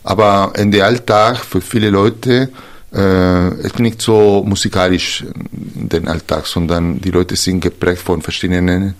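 Low voiced guy hosting an interview, lots of umms and restarts. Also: fairly even intonation, measured pace. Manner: hesitant, searching for words, many fillers and restarts. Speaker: interview host. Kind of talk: reflective interview talk.

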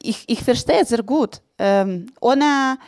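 Woman, non-native speaker, slow, hesitant, many fillers, dry sound. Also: on the high side, darkish tone, dry recording. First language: not German. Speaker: teacher, panel guest.

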